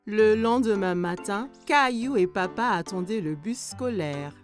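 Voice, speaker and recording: Woman storyteller for a kids cartoon, medium pitch, clear phrasing, music playing behind her. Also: lively intonation, unhurried. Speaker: narrator. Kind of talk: scripted children's cartoon narration. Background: background music.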